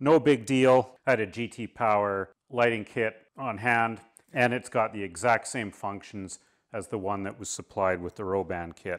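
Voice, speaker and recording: In a quiet background, a man with a fairly low pitch and ordinary pitch variation talks at a moderate pace. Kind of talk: tutorial. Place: garage.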